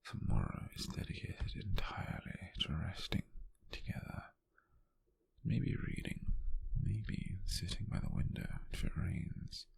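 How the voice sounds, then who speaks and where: A British man playing a gentle, doting, softly teasing lover in an intimate, breathy, gravelly ASMR whisper, speaking slowly and soothingly. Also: deep voice, exaggerated voice, poor audio. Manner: slow, soothing, with soft pauses.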